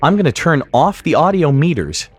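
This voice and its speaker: A man narrating a scripted software tutorial as an instructor, in a measured, explanatory way. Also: on the high side, very animated, soft background music.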